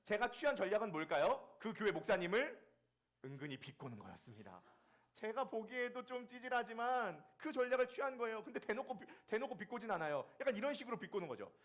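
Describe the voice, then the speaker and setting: A middle-aged man delivers a Sunday sermon, his voice a little high for a man. His pitch swings widely and his delivery is animated. He slips into quick acted asides as he tells everyday stories. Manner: lively storytelling with acted asides. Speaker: pastor.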